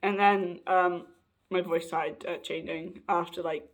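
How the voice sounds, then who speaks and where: A young trans man, rambling casually in a personal vlog, often correcting himself and laughing, his voice slightly raspy and hoarse. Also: high voice, flat delivery, measured pace. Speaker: vlogger.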